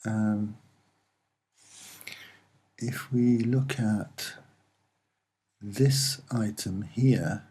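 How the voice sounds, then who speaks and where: A soft-spoken man giving a halting, unscripted commentary as he points things out, with frequent pauses. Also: lowish voice, slightly rough. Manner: hesitant, halting, with many pauses. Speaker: amateur video presenter.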